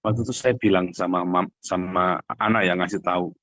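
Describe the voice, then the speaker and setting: A man preaching in a conversational, emphatic way, repeating phrases for emphasis and addressing listeners directly, with a husky voice. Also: deep voice, fairly even intonation, fairly quick, a bit bright, no room sound. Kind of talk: livestream sermon, conversational and emphatic.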